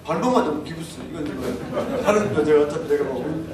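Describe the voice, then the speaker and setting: A man's voice: fairly high pitch, lively intonation, moderate pace. An older man leading a civic group, giving an insistent speech that climbs into indignant outbursts. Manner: insistent, rising to shouted indignation. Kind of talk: speech to an audience. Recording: echoey, distant room mic with faint noise.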